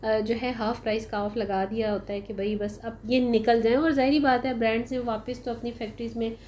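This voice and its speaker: A woman doing a casual, chatty voice-over for a shopping vlog, unhurried and full of "uh" fillers. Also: on the high side, fairly even intonation, a little mellow, slight background noise. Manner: chatty, unhurried, frequent "uh" fillers, addresses viewers as "janab" and "bhai". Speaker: shopping vlogger. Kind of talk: casual voice-over of a sale haul.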